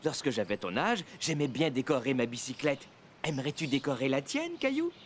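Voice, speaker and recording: A man's voice: mid-range voice, very animated, a little fast, a little hiss or hum, close to an everyday voice. A man playing a kind, patient, encouraging father in a preschool cartoon. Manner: patient, encouraging, explains gently.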